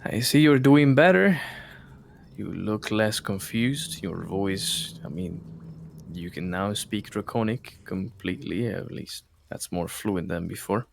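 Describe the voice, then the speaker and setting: A man plays a calm adventurer questioning a creature in a tabletop game. He is measured and direct, with a fairly low voice and plenty of fry. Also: a little hiss or hum. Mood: calm, probing. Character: calm, inquiring male adventurer speaking by telepathy.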